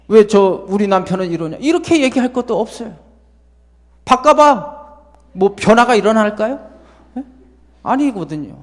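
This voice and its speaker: A male pastor preaching a sermon to his congregation, lively and full of rhetorical questions. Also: very high voice, long reverb tail. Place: church sanctuary.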